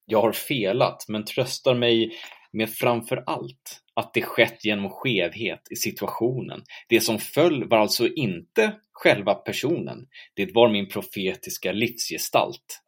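Man reading boastful Peer Gynt monologue, measured verse reading, slightly husky. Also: lowish voice. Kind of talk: reading verse drama aloud.

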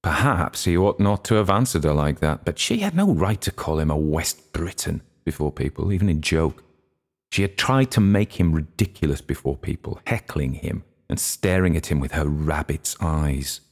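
A man reading a literary short story aloud in a measured, steady way. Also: a bass voice. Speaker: audiobook narrator. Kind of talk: literary narration.

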